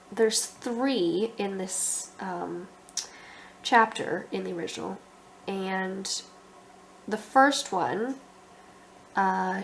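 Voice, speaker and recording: A woman's voice: mid-range voice, fairly bright tone, slight background noise, rough recording. A young adult woman with a stuffy, congested voice, talking casually about her writing and thinking aloud with lots of ums. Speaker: author vlogger.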